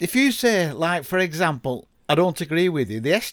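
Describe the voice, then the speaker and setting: In an English accent, a man talks at a moderate pace with very wide pitch swings. The recording is very clean, with a silent background. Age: 60s. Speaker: podcaster. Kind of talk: opinion monologue. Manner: animated.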